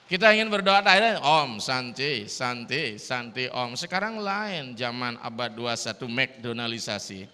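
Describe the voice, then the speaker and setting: A man with a Sulawesi accent, a Hindu priest giving a dharma talk and preaching in a lively way, with English phrases mixed in. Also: mid-range voice, moderate pace, few pauses. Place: large hall at a temple gathering. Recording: long reverb of a hall.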